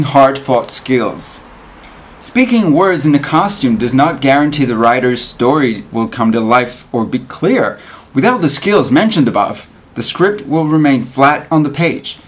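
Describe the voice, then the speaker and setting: Expressive man reading an essay aloud. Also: medium pitch. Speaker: actor reading an article aloud.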